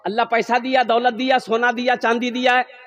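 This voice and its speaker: A man preaching a rousing Muslim sermon in a booming political-rally manner, calling on his listeners to respond, through a stage microphone. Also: flat delivery, a little fast, a bit bright, lo-fi sound. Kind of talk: rousing sermon oratory to a crowd. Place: large religious gathering. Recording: echoing PA system before a crowd.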